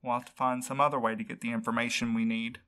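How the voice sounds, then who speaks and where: A man's voice: medium pitch, little pitch movement, fast, fairly bright tone, close to an everyday voice. A man playing an exhausted, worried courier in an audio drama, earnest and weary in manner. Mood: resigned. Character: exhausted, worried male courier missing his partner. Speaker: actor in a fiction podcast. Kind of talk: naturalistic audio drama acting.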